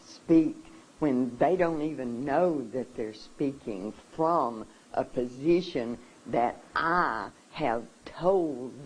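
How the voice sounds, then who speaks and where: A seminar speaker talks to the audience in a slow, deliberate way, with many pauses and restarts. The delivery is emotional and halting. A faint hum of room ambience sits behind the voice. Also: mid-range voice, a little mellow, rough recording. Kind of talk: personal talk to an audience.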